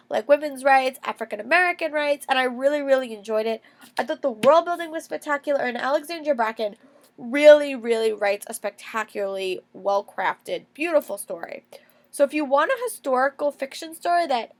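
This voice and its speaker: Congested young woman, chatty book vlogger. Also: a little high. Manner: chatty, enthusiastic, repeats words for emphasis. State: congested with a cold, coughing. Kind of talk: casual reading wrap-up vlog.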